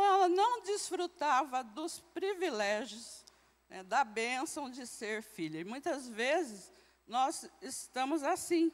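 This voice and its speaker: A woman with a Brazilian Portuguese accent teaching a Bible class at church, asking the group questions and often adding a tag question. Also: high-pitched. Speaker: Sunday school teacher. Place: church hall. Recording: long reverb in a church hall.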